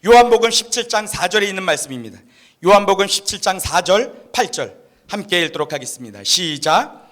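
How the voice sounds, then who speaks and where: A man's voice: sits high, very animated, brisk, fairly bright tone. A male pastor preaching a sermon, telling a story and putting rhetorical questions to the congregation. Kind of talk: Christmas sermon.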